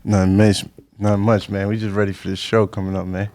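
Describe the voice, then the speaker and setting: A man's voice: lowish voice, level tone, a little fast, darkish tone, no echo, clean studio sound. A man chatting casually in slang as a tag-along guest. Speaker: guest's friend.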